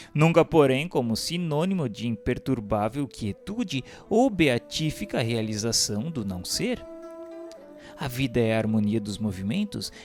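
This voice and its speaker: A man delivers a formal, scripted spiritual narration over music. His mid-pitched voice moves expressively up and down, with a solemn, measured, oratorical delivery.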